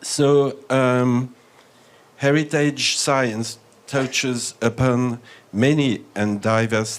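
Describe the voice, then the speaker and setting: A man with a strong French accent giving a measured, formal conference talk with frequent hesitations. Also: mid-range voice. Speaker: panel speaker.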